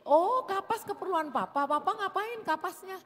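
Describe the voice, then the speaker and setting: A woman's voice: extremely high pitch, expressive, normal speed. Woman preaching in a reverberant church hall. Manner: warm preaching with call-and-response amens. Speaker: pastor. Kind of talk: sermon.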